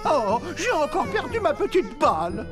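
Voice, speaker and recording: An actor voicing a fussy, excitable little male golfer in a children's cartoon, theatrical and exclamatory. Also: sits high, normal speed, loud music behind the voice. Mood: dismayed. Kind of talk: French children's cartoon dub.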